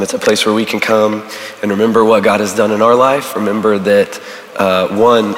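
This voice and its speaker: A man, a church volunteer giving a casual teaching to a recovery group, halting with many fillers while he is losing his voice. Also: lowish voice, a bit bright, a little hiss or hum. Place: large church hall. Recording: echoey hall with long reverb.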